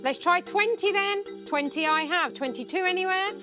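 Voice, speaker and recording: A woman's voice: very high-pitched, moderate pace, over music. A woman auctioneer calling a live auction, asking for bids in short repeated phrases.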